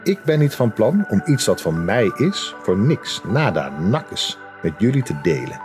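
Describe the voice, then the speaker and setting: A man's voice: lowish voice, very animated, unhurried, music in the background. A man voicing a rude, impatient little man who guards a lake and spits when he talks, in a storybook tale. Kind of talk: storybook character voice.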